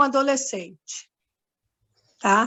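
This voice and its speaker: This woman's voice sits high in pitch. The pitch moves in an ordinary way. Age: 60s. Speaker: audience member. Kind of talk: audience question.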